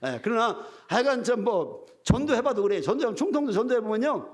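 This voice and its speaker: A man's voice: very high-pitched, sing-song, fast talker. An older man, a retired pastor, preaching a revival sermon in a church and telling humorous stories straight to the congregation. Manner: humorous storytelling, addresses the congregation directly. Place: church sanctuary.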